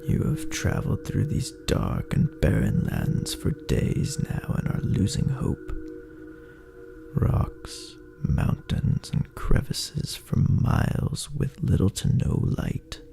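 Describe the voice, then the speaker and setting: A man narrating a dark horror story in a brooding, theatrical, gravelly voice that often drops toward a breathy near-whisper. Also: lowish voice, big pitch swings, takes it slowly, over music. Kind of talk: dramatic horror story narration in second person.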